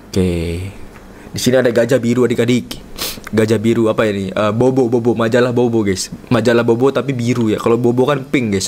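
A man's voice: mid-range voice, darkish tone. A man from Indonesia, playful and chatty, giving casual live commentary while streaming a game and constantly calling out to viewers. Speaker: gaming streamer.

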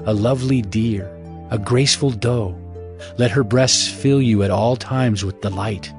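A man's voice: fairly low pitch, a little slow, a little mellow. A man giving a dramatized scripture reading as narrator, in a solemn, fatherly, exhorting manner. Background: music.

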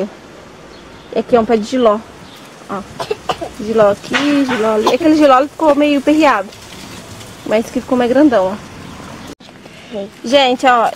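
A woman's voice: on the high side, a little hiss or hum, rough recording. Chatty Brazilian woman vlogging outdoors. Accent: Brazilian Portuguese. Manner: chatty, addresses viewers often, points things out. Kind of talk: casual vlog chat to viewers. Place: outdoors in a vegetable garden on a farm.

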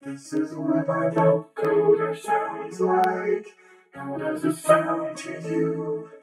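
A man speaking through a synth vocoder as a singing robot voice, in slow, drawn-out syllables. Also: on the high side, steady tone, creaky, over loud music, voice pushed up. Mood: synthetic, drawn-out. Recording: echoey, loud synthesizer tones.

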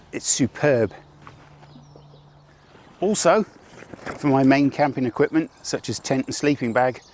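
A medium-pitched, darkish-toned older man from Britain, a motorcycle travel vlogger, shows off his motorcycle kit outdoors in a campsite car park. Speaking casually into a lapel radio mic, he is chatty and wry, full of self-deprecating jokes, and starts this vlog with a mock advert.

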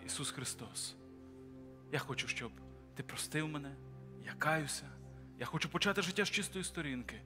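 A pastor with a slightly high, sharp voice preaches and leads an altar-call prayer, urgently pleading and repeating his invitations for listeners to come forward. He is in a large church hall with a balcony, with applause and music in the background.

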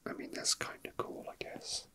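Male ASMR host: breathy whisper, very crisp sibilant brightness, casual, hesitant musing. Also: moderate pace. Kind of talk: whispered ASMR, casual rambling while handling a figurine.

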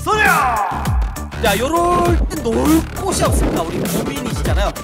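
Lively male vlog host over loud music. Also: very high voice, brisk. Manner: exclamatory, theatrical showman delivery. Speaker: video show host. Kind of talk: vlog presenting to camera. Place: on location, outdoors and in a large indoor hall.

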